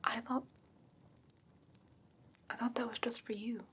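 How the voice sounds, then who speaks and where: Softly whispering sweet fae lady, played by a woman. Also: a little high, level tone, unhurried, exaggerated voice. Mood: politely curious. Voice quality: soft, breathy whisper. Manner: gentle, genteel wording with coaxing endearments. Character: sweet, doting, slightly haughty female fae creature adopting humans. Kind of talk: whispered ASMR fantasy roleplay.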